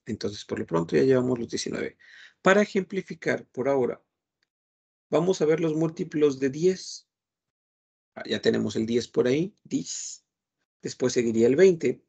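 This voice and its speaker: A man's voice: mid-range voice, animated, moderate pace, vocal fry, mellow, breathy edge. A man teaching a French class online, patient and repeating words as he explains.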